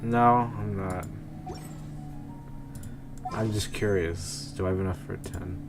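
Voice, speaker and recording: A man's voice: low voice, steady tone, takes it slowly, over music. A man chatting casually as he streams a game, rambling and often repeating himself. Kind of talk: casual livestream chat.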